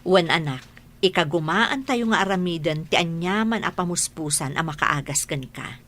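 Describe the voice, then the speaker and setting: Actress as a gentle mother, lowish voice, reassuring. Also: moderate pace, natural voice. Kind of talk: Ilocano family drama acting.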